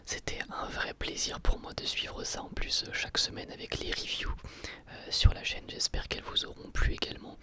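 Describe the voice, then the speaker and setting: A person whispering in a breathy, unvoiced voice throughout, giving an ASMR-style review as a video host, thinking aloud in short, hesitant phrases. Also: moderate pace.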